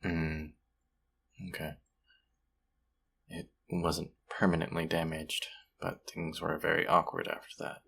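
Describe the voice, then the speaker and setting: A man acting as a friendly young guy in an intimate audio drama. His voice sits very low, with a gravelly, husky grain. He talks gently and conversationally, sometimes hesitating, like someone sympathetic getting to know a new acquaintance. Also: completely flat delivery, slow pace, long pauses, heavily acted. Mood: gentle, sympathetic. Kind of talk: intimate one-sided audio roleplay acting.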